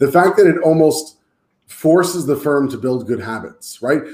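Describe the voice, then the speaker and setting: A man with an unremarkable speaking voice, moderate pace and ordinary pitch variation. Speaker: solution engineering executive, co-host. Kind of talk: panel conversation.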